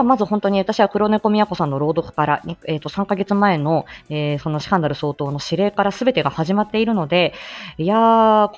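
A woman's voice: mid-range voice, muffled recording. A woman hosting a live stream, chatting casually with frequent laughter and many fillers. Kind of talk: casual chat.

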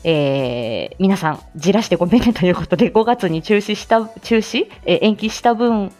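A woman's voice: medium pitch, animated, moderate pace, a little mellow, faint music behind. A woman who works as a speech-language therapist, chatting casually on her own live stream, full of fillers and little laughs.

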